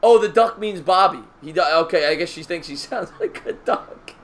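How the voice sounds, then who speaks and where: A man's voice: fairly high pitch, normal speed, a bit bright. A man hosting a live sports call-in show, stammering and repeating words before he finishes a thought. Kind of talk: casual call-in chat.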